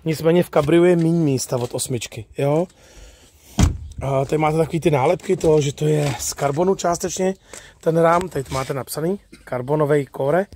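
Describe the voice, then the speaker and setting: Against a noisy background, a man with a fairly high voice hosts a car review channel's casual vlog, doing a walkaround and test drive at a used car lot. He starts outdoors, then moves inside a car, chatting informally and tagging sentences with "jo".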